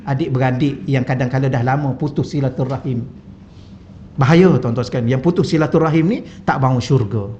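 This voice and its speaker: A man's voice: medium pitch, a little mellow, a little hiss or hum. A man with a Malaysian Malay accent, a religious teacher giving a chatty, humorous mosque lecture full of anecdotes, on a wireless mic in a mosque hall. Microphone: wireless microphone. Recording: slightly dull lo-fi sound.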